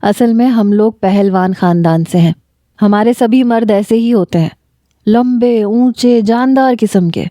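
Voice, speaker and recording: A brash, chatty young college girl, put on by a woman narrator, self-assured and quick with an opinion, in a dark, mellow tone. The recording is dry and close. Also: a little high, no room sound, lightly acted.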